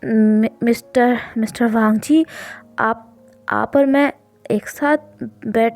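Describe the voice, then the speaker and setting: A woman's voice: on the high side, fairly even intonation, takes it slowly, darkish tone. A woman voicing a flustered, frightened young man who stammers and repeats his words, reading a storybook scene. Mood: panicked.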